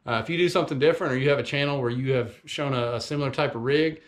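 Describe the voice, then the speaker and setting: A man, casually explaining a camera setup in a relaxed, conversational way with frequent fillers, recorded on a camera mic in a home garage. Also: mid-range voice, racing. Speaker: fishing channel host. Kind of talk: casual how-to vlog. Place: home garage workshop, indoors.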